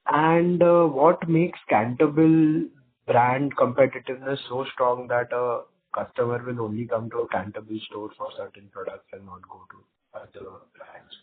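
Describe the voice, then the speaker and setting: A man's voice: mid-range voice, fairly even intonation, moderate pace. A man with an Indian accent, an analyst putting questions to company management on a conference call. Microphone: phone. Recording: muffled narrow-band phone line.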